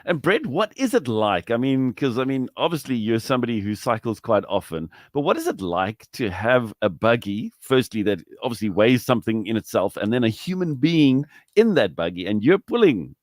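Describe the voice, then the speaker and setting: A man hosting a radio interview, chatty and animated, often laughing. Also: mid-range voice, normal speed, few pauses, no room sound, clean studio sound. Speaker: radio host. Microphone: studio microphone.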